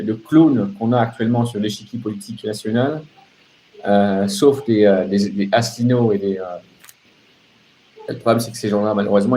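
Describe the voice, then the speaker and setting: A man's voice: on the low side, darkish tone, a little hiss or hum, low-quality recording. A man delivering an off-the-cuff political rant as a live open-line host, sardonic and emphatic, repeating phrases and throwing out rhetorical questions.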